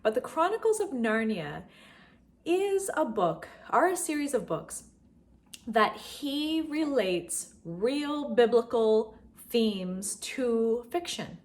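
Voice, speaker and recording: A woman's voice: on the high side, sing-song, slow. A middle-aged woman hosting a homeschool vlog, talking casually and directly to her viewers. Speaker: homeschool vlogger and channel host. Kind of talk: casual vlog talk to viewers about books.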